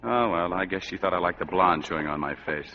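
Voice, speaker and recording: Tough wisecracking private eye, lowish voice, muffled old radio broadcast. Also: male voice, brisk, a little hiss or hum. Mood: wry. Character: hard-boiled male private detective Marlowe, wry. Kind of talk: 1940s radio acting. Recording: dull lo-fi 1940s radio broadcast.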